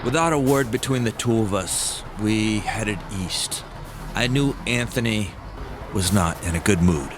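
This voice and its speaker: A man's voice: lowish voice, a little slow, background noise. An American man telling a personal story as scripted first-person narration. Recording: music behind the voice.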